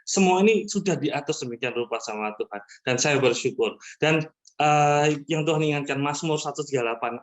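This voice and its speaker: Animated man telling a church testimony. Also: on the high side, a little fast. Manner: animated storytelling, often addressing listeners as brothers and sisters. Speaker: church member giving a testimony. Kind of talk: personal testimony at an online church service. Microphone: video call.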